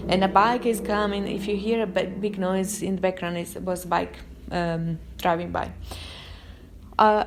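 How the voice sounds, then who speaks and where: A woman from Italy with an Italian accent, a therapist talking through a casual live monologue, chatty and given to sudden pitch jumps when she acts out quotes. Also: darkish tone, a little hiss or hum. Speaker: therapist and podcast host.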